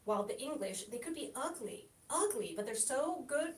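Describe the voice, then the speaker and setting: A woman from Chile whose first language is Spanish, a guest chatting casually in an interview, telling lively stories and laughing often. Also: normal speed. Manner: lively, laughing anecdotal storyteller. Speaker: guest, actress and comedian. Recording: roomy, distant mic with faint rumble.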